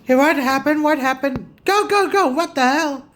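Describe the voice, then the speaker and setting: A woman's voice: high-pitched, moderate pace, fairly bright tone. A woman gamer giving casual, reactive commentary as she plays, blunt and given to repeated exclamations and muttered asides. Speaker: gaming streamer.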